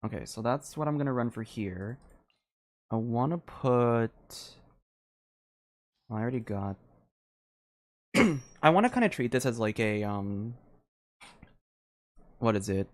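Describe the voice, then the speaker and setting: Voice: mid-range voice, expressive, unhurried, long pauses. Hesitant game streamer thinking aloud. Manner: hesitant thinking aloud, trailing off mid-sentence. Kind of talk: casual live gameplay commentary.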